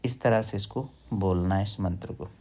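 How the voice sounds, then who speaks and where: A man teaching wedding mantras, reciting slowly and breaking words into syllables for the listener to repeat. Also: low-pitched, darkish tone, slight background noise. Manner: slow, careful recitation with syllable-by-syllable drilling. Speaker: Sanskrit teacher.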